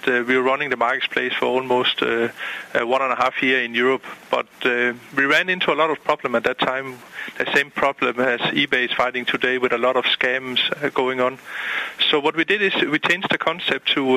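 A man's voice: medium pitch, pushed and bright, rough recording. A man from Denmark with a Danish accent, a company CEO speaking by phone, explaining his business with many fillers and restarts. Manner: hesitant, many fillers and repeated words. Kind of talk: phone interview, casual explaining. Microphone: phone line.

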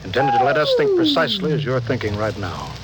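A man's voice: medium pitch, huge pitch swings, fast talker, heavy background noise. An actor playing a stern, cautious male starship captain in a 1950s radio drama, giving clipped commanding orders.

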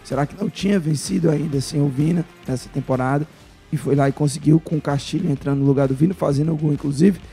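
Hoarse, smoker-raspy Northeastern Brazilian male host. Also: fairly high pitch, quick pace, dark tone, soft background music. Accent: Northeastern Brazilian, Ceará. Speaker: sports podcast host. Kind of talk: casual live sports chat.

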